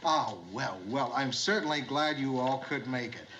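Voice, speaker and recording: An actor playing a gruff middle-aged bar owner who forces himself into hearty, pushy cheer and repeats his greetings, in 1970s sitcom style. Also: medium pitch, normal speed, a bit bright, natural voice. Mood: forced cheer. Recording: noisy old TV soundtrack.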